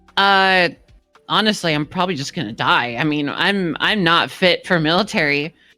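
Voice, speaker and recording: Over background music, a woman with an American accent talks at a moderate pace, her fairly low pitch varying in an ordinary way. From American Midwest. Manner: self-deprecating, casual.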